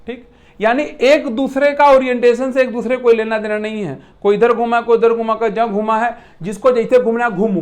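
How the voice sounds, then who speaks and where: Animated physics teacher with playful rhetorical questions. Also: medium pitch. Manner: animated, repeats points with rhetorical questions and playful classroom analogies; mixes English technical terms into Hindi speech. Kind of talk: classroom lecture explaining.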